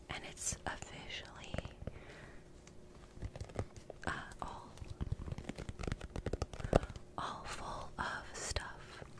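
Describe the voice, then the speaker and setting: A woman speaks very slowly and softly, pausing often and at length. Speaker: ASMR creator. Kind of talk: casual vlog chat. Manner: soft-spoken, close-mic ASMR talk. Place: home room. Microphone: studio mic.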